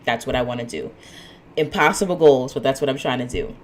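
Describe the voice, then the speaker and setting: Very low-voiced woman with a cold. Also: fairly quick, slight background noise. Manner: relaxed, rambling, many "um"s and asides. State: has a cold, sniffly. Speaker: podcast host. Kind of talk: solo podcast monologue.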